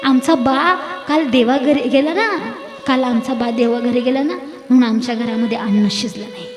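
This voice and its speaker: A woman's voice: a little high, moderate pace, music in the background, pitched below the performer's own voice, lightly acted. Hungry little schoolboy, as a woman preacher voices him. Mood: plaintive. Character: hungry grieving young schoolboy.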